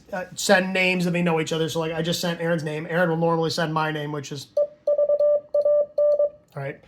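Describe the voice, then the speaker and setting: Male tutorial presenter, noticeably high pitch, informal and conversational, explaining step by step with casual asides. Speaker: amateur radio instructor and operator.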